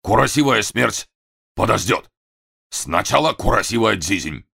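A man's voice: fairly low pitch, expressive, unhurried, creaky, pushed and bright, breathy edge, pitched above the performer's own voice, exaggerated voice. A man voicing a comic, proud Japanese male servant with a heavy Japanese accent, swapping l for r. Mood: exalted. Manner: swaps l for r, lisping syllables.

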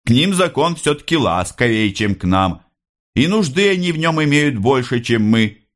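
A man's voice: low-pitched, animated, a little slow, a bit bright, clean tone. A man voicing a wry young lodger who speaks in a dry, mocking way.

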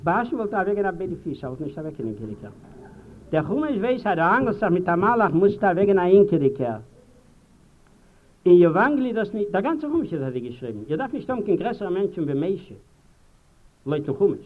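Older man lecturing, high voice. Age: 60s. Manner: earnest, addresses the audience directly, swings between loud and soft. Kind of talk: public lecture to an audience. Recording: tinny, hissy 1950s archival tape.

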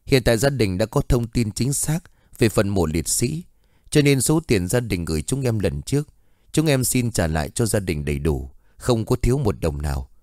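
A man's voice: on the low side, animated, moderate pace, darkish tone, no room sound, studio quality, natural voice. A man reading a story and voicing a woman psychic who leads a team and talks in a persuasive, exclamatory way. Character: smooth-talking woman psychic leading a team.

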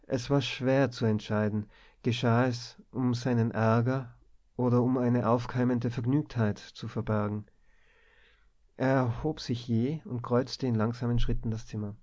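Calm guy reading a novel out loud, mid voice, dull lo-fi recording. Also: medium pitch, a little slow. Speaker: audiobook narrator. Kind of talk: scripted narration of a novel.

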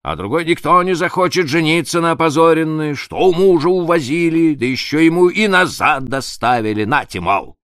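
A man's voice: fairly high pitch, lively intonation, normal speed, few pauses, fairly bright tone, no echo, clean studio sound, voice pushed up. A man doing a fretful old prince, coaxing. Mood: pressing.

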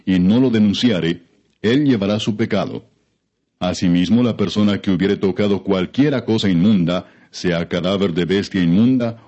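Low-voiced man narrating scripture solemnly. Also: warm tone, dull audio. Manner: measured, formal delivery. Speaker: audiobook Bible narrator.

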